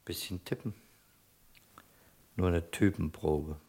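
An actor playing a shrewd, insistent police detective in a German crime radio drama, asking pointed questions. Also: male voice, deep voice, takes it slowly, warm tone, soft background music. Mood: calm, probing.

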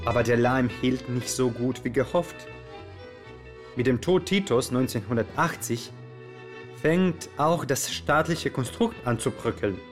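A man's voice: mid-range voice, close to an everyday voice. An actor playing a theatrical male radio show presenter who narrates dramatically and addresses listeners directly. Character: Yugo Slaven, flamboyant male Yugoslav radio presenter.

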